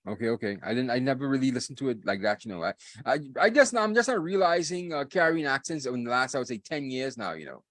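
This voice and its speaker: A man's voice: medium pitch, very animated, quick pace, hardly any pauses, fairly bright tone, no echo. A man co-hosting a live podcast, chatting casually, laughing often and repeating "okay, okay.". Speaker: podcast co-host.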